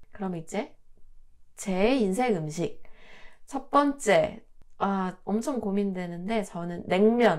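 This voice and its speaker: At a very slow pace, a woman with a medium-pitched voice and lively intonation leaves long, frequent pauses. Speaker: podcast host and Korean teacher. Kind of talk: casual podcast chat.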